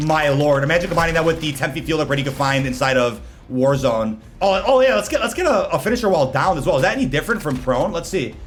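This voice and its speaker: A man's voice: fairly high pitch, lively intonation, quick pace, hardly any pauses, slight background noise. A man hosting a gaming video with casual, slangy gameplay commentary. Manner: slangy, informal.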